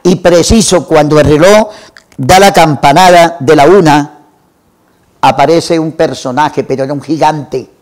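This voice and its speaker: A man retelling a classic novel for a literature program, in a measured way and lingering over lists. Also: on the high side, a little mellow. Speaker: literature presenter.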